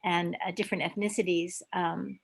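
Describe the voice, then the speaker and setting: An older woman from Hawaii, speaking in a meeting with many pauses, ums and restarts. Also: lowish voice, little pitch movement, vocal fry, slight background noise. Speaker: club member at a video meeting. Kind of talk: hesitant casual remarks.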